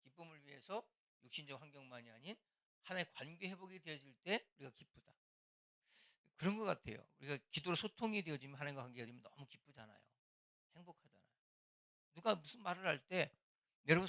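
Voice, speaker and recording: Older Korean pastor, conversational teaching. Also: male voice, fairly high pitch, lively intonation, quick pace, vocal fry, fairly bright tone. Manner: conversational preaching, acts out scolding quotes. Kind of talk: teaching small-group leaders.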